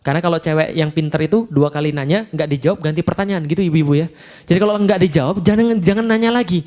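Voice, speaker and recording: Guy preaching fast and lively, high voice, jokes around and acts out the stories. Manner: animated, joking, acts out dialogues. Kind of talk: sermon.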